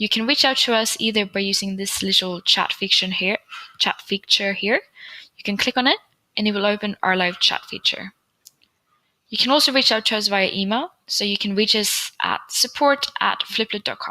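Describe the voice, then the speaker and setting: Speaking at a moderate pace with a Swedish accent, a woman uses a medium pitch and ordinary pitch variation in a bright, sharp tone, with a dry, close sound and no echo. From Sweden. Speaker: customer success executive. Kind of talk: tutorial. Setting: office.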